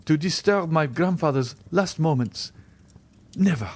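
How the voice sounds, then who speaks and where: A man's voice: fairly high pitch, lively intonation, a little slow, husky, voice pushed up. A man voicing a devoted young woman, pleading and reproachful in an impassioned, melodramatic audiobook reading. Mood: anguished resolve. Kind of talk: dramatized audiobook reading of a classic novel.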